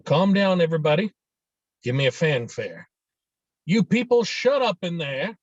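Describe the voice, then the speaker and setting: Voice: medium pitch, very animated, moderate pace, no echo. An actor voicing a blustering, domineering middle-aged father in a screenplay table read, over muffled call audio. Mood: boisterous, commanding.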